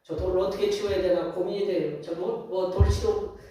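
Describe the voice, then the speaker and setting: Soft music plays behind a pastor whose high-pitched voice is warm, fairly even in intonation and moderate in pace. He preaches a folksy, story-driven sermon in a church sanctuary, acting out scenes and asking the congregation questions, captured by a distant mic in a very echoey hall.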